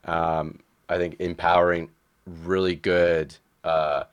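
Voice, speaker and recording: A man in his early thirties with a notably low voice, talking film in a relaxed conversational way. His phrasing is loose and informal, as in an unscripted podcast chat. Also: takes it slowly, smooth. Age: early 30s. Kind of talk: casual conversation about movies.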